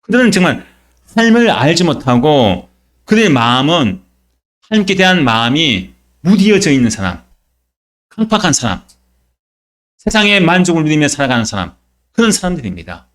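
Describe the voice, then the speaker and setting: Lively man preaching a sermon. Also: on the high side, normal speed, long pauses. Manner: emphatic, asks rhetorical questions and answers them. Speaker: pastor. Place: church.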